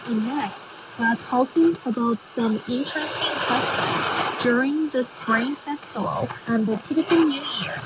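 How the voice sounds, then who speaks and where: High-voiced woman presenting on noisy shortwave radio. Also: normal speed, lo-fi sound. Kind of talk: scripted radio magazine narration.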